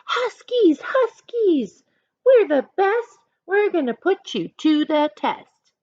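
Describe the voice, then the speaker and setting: A woman's voice: extremely high pitch, very animated, slow, darkish tone, lo-fi sound, voice pushed up, heavily acted. A woman voicing eager, competitive young girl soccer players from a storybook, exclaiming in short bursts. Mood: defiant cheering. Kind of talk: storybook character voices.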